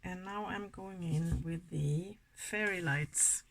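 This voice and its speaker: Give me a slow-talking, slightly low Swedish woman with a gravelly voice, chatting through a makeup look. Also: slight background noise. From Sweden. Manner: soft-spoken, giggly, often drops to a whisper. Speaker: makeup vlogger. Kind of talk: casual makeup tutorial chat.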